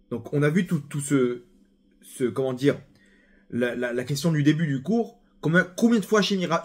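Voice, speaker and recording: A young man teaching a sermon-style Torah class, animated and storytelling, speaking straight to his listeners. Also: fairly high pitch. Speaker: rabbi teacher.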